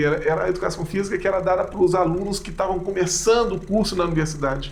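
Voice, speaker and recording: A high-pitched man at a very fast pace with hardly any pauses and fairly even intonation, amid audible room echo and noticeable background noise. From Brazil, Belo Horizonte (Minas Gerais). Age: 40s. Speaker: physical education teacher and facilitator. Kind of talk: interview. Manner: hesitant, many repetitions and fillers.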